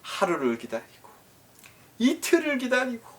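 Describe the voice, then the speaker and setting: A man's voice: very high voice, a little slow. A man pastor telling a Bible story in a sermon for elderly listeners, asking them questions as he goes. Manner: lively, asks the listeners questions. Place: nursing home service.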